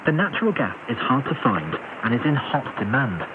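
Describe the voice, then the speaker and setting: A man's voice: mid-range voice, sing-song, a little fast, noisy background. A man presenting and interviewing on a news magazine programme, heard over a muffled shortwave radio broadcast.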